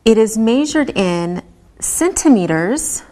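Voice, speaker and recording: Woman English teacher, patient and deliberate, speaking at an extremely slow pace. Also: a little high, animated, dark tone. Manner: patient, deliberate, spells things out step by step. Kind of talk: slow, clearly enunciated classroom teaching.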